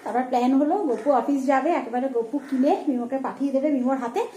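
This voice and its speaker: Woman, home family vlogger; chatty running narration of chores, brisk delivery, mellow, slightly high. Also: a little hiss or hum. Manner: chatty, narrating chores and meals as she goes. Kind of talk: casual home vlog chat.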